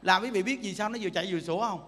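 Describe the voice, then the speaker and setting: Monk giving a sermon, really high voice, keeps firing questions at the crowd, long hall echo. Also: male voice, rapid-fire, fairly bright tone. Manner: emphatic, rhetorical questions to listeners. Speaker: Buddhist monk.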